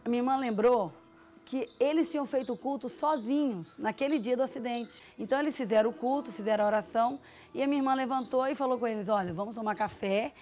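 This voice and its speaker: A woman's voice: a little high, fast talker, darkish tone. A woman vividly retelling a personal testimony, often quoting dialogue and asking "sabe?". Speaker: testimony giver. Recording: music underneath.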